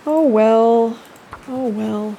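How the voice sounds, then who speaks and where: A woman streams a survival game and chats easily with her viewers, laughing often as she answers them by name. Her voice sits a little high. A faint noise runs underneath. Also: extremely slow, mellow, dull audio. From United States. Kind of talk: casual gameplay chat with chat readers.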